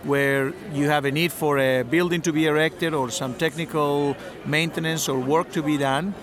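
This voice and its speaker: A middle-aged man from Argentina who represents an industry association, answering interview questions at a measured pace with frequent fillers and restarts. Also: fairly high pitch, fairly even intonation. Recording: crowd noise behind.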